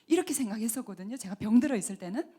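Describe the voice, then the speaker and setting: A middle-aged woman giving a Christian lecture on healing, talking earnestly and dropping to soft whispers for emphasis. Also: fairly high pitch, lively intonation, rapid-fire, slightly rough. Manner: earnest, acts out mothers and children in quoted asides. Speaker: counseling center director giving a lecture.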